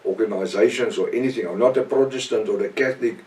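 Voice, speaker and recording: A middle-aged man, a native Afrikaans speaker with a South African accent, preaches a Bible lesson off the cuff in short, halting, emphatic phrases with repetition. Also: on the low side, darkish tone. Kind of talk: extemporaneous Bible teaching sermon. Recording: echoey room, distant microphone.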